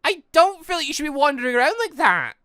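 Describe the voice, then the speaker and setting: A woman giving casual let's play commentary, reading game dialogue aloud and rambling as she thinks out loud with animated reactions. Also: sits high, fast, dry recording, clean studio sound. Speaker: gaming channel host.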